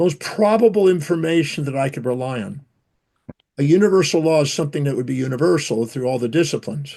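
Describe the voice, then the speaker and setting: A man speaks at a very fast pace with a fairly high pitch. His tone is dark and mellow, and his intonation is lively. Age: 70s. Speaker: author and teacher. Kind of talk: interview. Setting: podcast.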